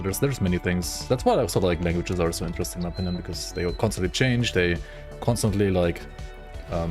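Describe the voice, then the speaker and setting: Deep-voiced man chatting on stream. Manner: rambling, thinks aloud, talks to chat. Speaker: gaming livestreamer. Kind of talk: casual chat with viewers while gaming.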